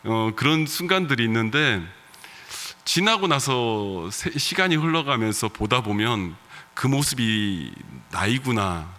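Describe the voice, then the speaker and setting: Bright-voiced pastor with regional accent. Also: male voice, mid-range voice, expressive, unhurried, long reverb tail. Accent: regional Korean dialect. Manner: conversational preaching with soft laughs and fillers. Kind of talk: sermon. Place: church sanctuary.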